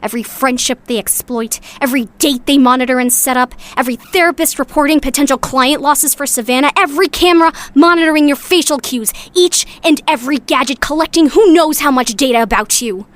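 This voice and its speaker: Weary loyal young woman in a sci-fi audio drama, highish voice, earnest and reflective. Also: fairly quick, few pauses, fairly bright tone. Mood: doubtful, frustrated.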